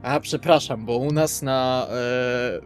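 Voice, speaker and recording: A man's voice: mid-range voice, slow pace, smooth. Wry man role-playing over background music. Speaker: tabletop role-player. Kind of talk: improvised in-character chat and third-person narration. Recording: music under the voice.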